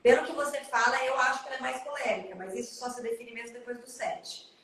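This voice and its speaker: A woman in her thirties with a Brazilian accent, giving parenting advice live over a video call, fast and emphatic. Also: a little high, steady tone, fairly bright tone, very echoey, recorded from a distance. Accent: Brazilian Portuguese. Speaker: parenting consultant.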